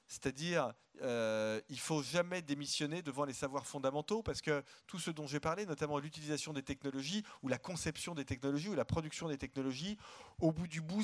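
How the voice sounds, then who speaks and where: A man with a fairly high voice talks as a guest economist at a conference. He is outspoken and emphatic, and he often repeats words as he gets going. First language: French. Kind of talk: live stage interview. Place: conference stage.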